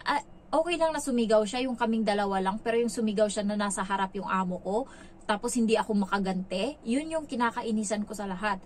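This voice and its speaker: A woman from the Philippines who works as a domestic helper, talking frankly to her viewers in a rambling, conversational way full of filler pauses. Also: mid-range voice, slight background noise, poor audio. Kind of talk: casual vlog talk to viewers.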